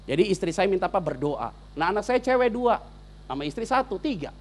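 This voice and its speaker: A man with a high-pitched voice preaches a sermon as if chatting with friends, full of street slang. He tells stories by acting out every voice in the dialogue himself. His delivery drops to quiet asides, then jumps to loud, excited bursts. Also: fairly quick. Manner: acts out both sides of dialogues. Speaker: pastor.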